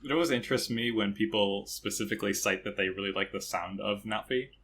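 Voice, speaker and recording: Guy hosting a podcast, lowish voice but bright and sharp, lots of uhs and likes. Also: fast talker, a little hiss or hum. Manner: relaxed, laughing, filler-heavy questions. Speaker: podcast host. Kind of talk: casual podcast interview.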